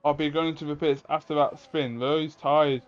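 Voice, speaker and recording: A man's voice: on the high side, steady tone, moderate pace. A man giving live motorsport commentary, calling the action move by move and throwing in rhetorical questions. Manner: running play-by-play calls mixed with rhetorical questions. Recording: dull lo-fi voice audio.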